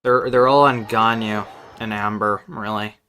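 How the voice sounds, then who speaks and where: A woman's voice: very deep voice, steady tone, unhurried, a bit bright, slight background noise. A woman streaming a game, chatting casually and bluntly with her viewers. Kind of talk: casual live stream chat while gaming.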